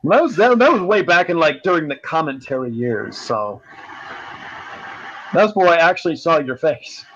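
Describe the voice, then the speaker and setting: A man's voice: on the high side, expressive, normal speed, a bit bright. A man chatting casually on a stream, heard through dull, slightly noisy audio. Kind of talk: casual chat. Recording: dull audio with faint noise.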